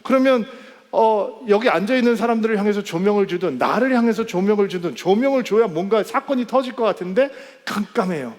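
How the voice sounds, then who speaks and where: A male pastor telling a story in a sermon, animated and acting out the quoted voices. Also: high-pitched, brisk. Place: church sanctuary. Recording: church hall with long reverb.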